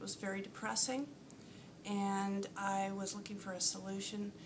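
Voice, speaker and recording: A woman talks at a fairly slow pace against noticeable background noise. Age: 70s. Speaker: retired nurse practitioner giving testimonial. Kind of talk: testimonial. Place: office. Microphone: phone near.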